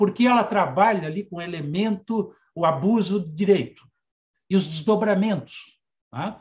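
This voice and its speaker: At a fairly slow pace, a man with a high pitch speaks with ordinary pitch variation. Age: 60s. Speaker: high court judge. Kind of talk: lecture.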